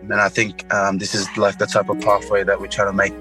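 A rugby league player with an Australian accent answers interview questions in a plain, easygoing way. His voice is on the low side and quite flat in pitch. Music plays softly beneath him. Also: a little fast, low-quality recording. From Western Sydney, Australia. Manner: laid-back, plain-spoken.

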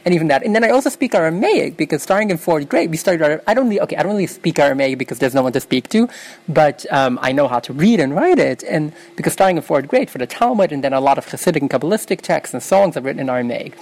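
A woman's voice: deep voice, lively intonation, fast talker, a little mellow. A young woman from New York, a native Yiddish speaker, answering interview questions in an earnest, self-correcting way. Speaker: interview guest.

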